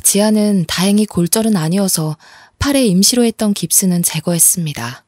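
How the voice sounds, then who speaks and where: A woman narrating a dramatized true story in the first person, calm and steady. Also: medium pitch, brisk, no room sound, clean studio sound.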